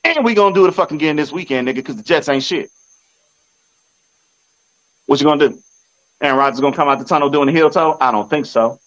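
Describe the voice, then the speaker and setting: A sports fan vlogger with a fairly high, expressive, bright voice talks fast but pauses often, trash-talking football casually into his phone. He's boastful, repetitive and swaggering, and the phone recording cuts off the highs.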